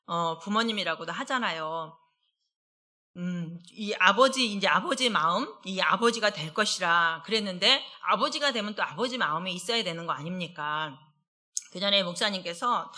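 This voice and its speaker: A woman associate pastor giving a conversational midweek sermon. She asks the congregation questions and slows down to read scripture aloud. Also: medium pitch, bright, forceful tone. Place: church service.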